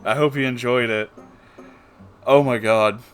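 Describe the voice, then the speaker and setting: A man's voice: medium pitch, fairly even intonation, a little slow, clear, resonant tone. A man hosting a bad-story reading show, talking casually to viewers in a theatrical, wry, self-deprecating way with some swearing. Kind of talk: casual rambling talk to viewers. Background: plucked guitar music.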